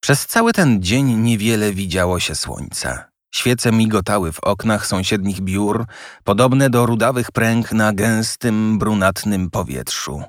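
Lively low-voiced male narrator. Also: measured pace, no echo, studio quality. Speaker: audiobook narrator. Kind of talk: scripted narration.

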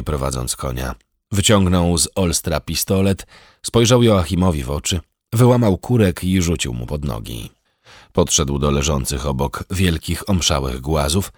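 A man narrating a historical novel as an audiobook, in a measured, steady, dramatic storytelling manner. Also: very deep voice, no room sound, studio quality.

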